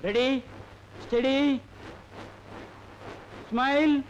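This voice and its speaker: A man's voice: very high-pitched, very slow, lo-fi sound, a little hiss or hum, full character voice. An actor playing a scheming male photographer who bosses his customers around and gleefully plots revenge. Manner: fussy, bossy.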